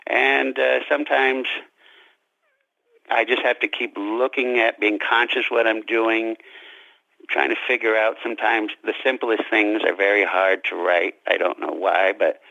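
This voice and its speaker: Gravelly, low-voiced man talking deliberately. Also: little pitch movement, pushed and bright, dry recording, dull audio. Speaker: author, interview guest. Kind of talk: reflective conversational interview about writing.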